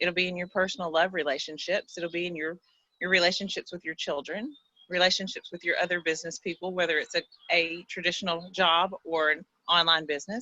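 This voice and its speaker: With a strong East Texas accent, a woman speaks at a fairly quick pace in a fairly low pitch, her tone bright and sharp and the sound dry and close with no echo. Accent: strong East Texas twang. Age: 40s. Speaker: online business community member. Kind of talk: casual chat. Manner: animated.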